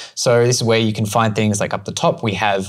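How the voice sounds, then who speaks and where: Against a quiet background, a man talks. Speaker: music software instructor. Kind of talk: tutorial. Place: home room.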